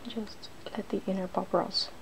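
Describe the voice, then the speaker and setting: A woman narrates an ASMR makeup demonstration in a hushed, breathy voice that slips into whispering. There is a creaky fry in her medium-pitched voice. Her manner is playful, and a faint noise sits behind her in the recording. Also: level tone, moderate pace. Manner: playful, giggly. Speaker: ASMR video host.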